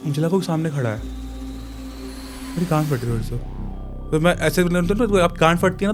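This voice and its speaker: Young guy on a podcast, pretty high voice, telling a ghost story all animated and crude, bit of music under it. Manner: animated, crude slang, acts out his own fear. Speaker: podcast guest, trekker. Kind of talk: casual storytelling in conversation.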